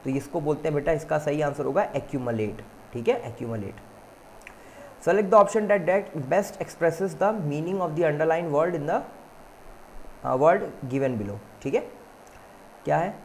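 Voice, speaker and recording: With a somewhat high, slightly mellow voice, a male teacher goes through exam-prep questions, reading the English slowly before explaining quickly in Hindi. He refers to students as "beta," and a bit of hiss or hum is audible.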